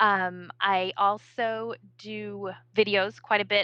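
A woman's medium-pitched voice with fairly even intonation, a normal speaking voice. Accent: American. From California. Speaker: blogger and online business owner in scrapbooking. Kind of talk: interview.

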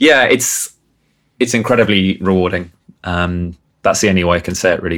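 In a very clean recording with a silent background, a man with a British accent speaks fairly quickly in a fairly low pitch with ordinary pitch variation. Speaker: startup CEO and co-founder. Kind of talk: interview podcast. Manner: energetic.

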